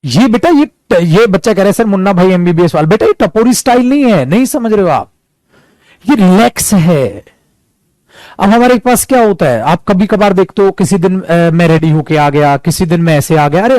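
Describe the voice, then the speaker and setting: Man, teacher, high voice, dry close sound, chatty online lesson, acts out examples. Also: expressive, moderate pace, darkish tone, no echo. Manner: chatty, calls students "beta". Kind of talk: online English lesson in Hindi.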